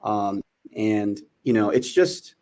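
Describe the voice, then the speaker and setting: Middle aged guy, kinda low voice, chatting and telling stories as a guest, casual and reflective. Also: fairly even intonation, slow pace, darkish tone. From born in Jamaica, raised in New York from age four. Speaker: interview guest, former news anchor.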